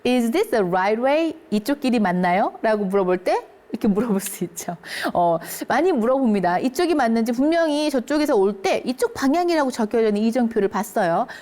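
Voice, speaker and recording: A female English teacher with a slightly high, mellow voice leads a lesson for seniors, pronouncing each English phrase slowly and carefully. Between phrases she checks in with her listeners encouragingly.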